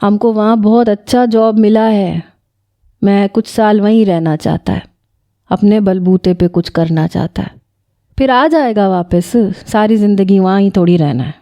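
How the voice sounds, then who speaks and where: A woman's voice: mid-range voice, warm tone, no room sound, natural voice. A woman voicing a bold, possessive young Pashtun husband who talks bluntly in broken, informal grammar. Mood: insistent.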